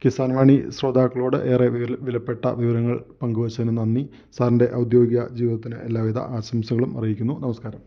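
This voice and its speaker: A man's voice: mid-range voice, level tone, a little fast. A man hosting a farm radio program, asking formal questions and murmuring short assents. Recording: dull lo-fi radio sound.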